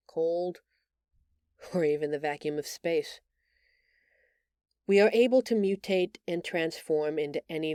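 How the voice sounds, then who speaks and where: An actress plays a timid, tender alien woman in a science fiction audio roleplay. Her voice sits a little low and moves slowly, with halting, earnest phrasing. The sound is very dry and intimate. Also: dark tone, clean tone, dry recording. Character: gentle, timid bioluminescent alien woman, shapeshifter in human exile.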